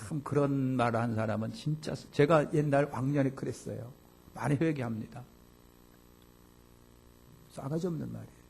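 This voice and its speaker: A man preaching a Sunday sermon as pastor, emphatic, swinging between loud exclamations and low asides and acting out complaining voices. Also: normal speed, gravelly, pauses often, slight background noise. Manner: acts out complaining voices of the congregation.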